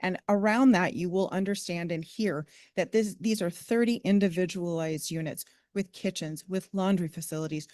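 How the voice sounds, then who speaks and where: Low-voiced woman giving measured public testimony. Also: a little mellow, no echo, clean studio sound. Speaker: speaker at public meeting.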